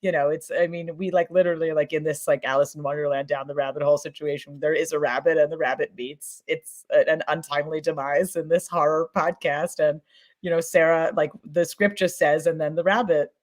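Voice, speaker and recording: A woman's voice: deep voice, steady tone, brisk. A woman talking casually as a podcast producer in a discussion, effusive and emphatic, giggly and rambling as she goes.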